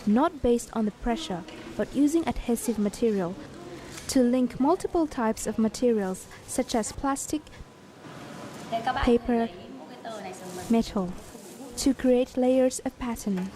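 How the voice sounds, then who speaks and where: A woman narrating a news feature in a measured, even reading voice. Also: fairly high pitch, a crowd in the background. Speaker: news reporter. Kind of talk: scripted news voice-over. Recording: voice-over with music bed.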